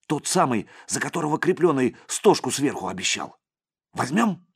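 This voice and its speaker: A man's voice: medium pitch, normal speed, vocal fry, breathy edge, voice pushed up, exaggerated voice. A man voicing a young, eager male police sergeant who pleads and gets worked up. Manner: pleading, excitable, whiny.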